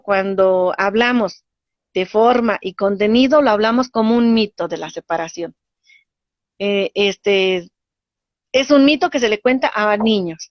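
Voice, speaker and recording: A woman, a spiritual teacher explaining ideas in a lively way and acting out little dialogues. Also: mid-range voice, no echo. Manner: animated, acts out voices in dialogue. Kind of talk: teaching talk. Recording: dull lo-fi dry sound.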